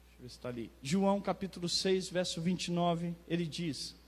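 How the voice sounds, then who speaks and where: A man's voice: high voice, brisk. A man with a Brazilian Portuguese accent, a pastor giving an emphatic sermon to his congregation in a church hall. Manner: emphatic preaching, swells loud on key phrases, talks directly to congregants. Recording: long reverb of a church hall.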